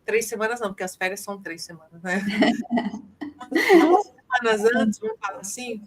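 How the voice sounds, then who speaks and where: A woman's voice: on the high side, big pitch swings, normal speed, slightly rough. A woman co-hosting a podcast in casual chat, explaining her points step by step in a thoughtful way.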